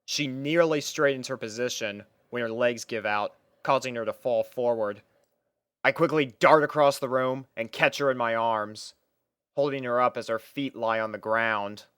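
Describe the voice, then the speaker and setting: A young man narrates a first-person story from a script. His voice is smooth and clean, with a medium pitch, recorded close and dry. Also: moderate pace, fairly bright tone, no room sound.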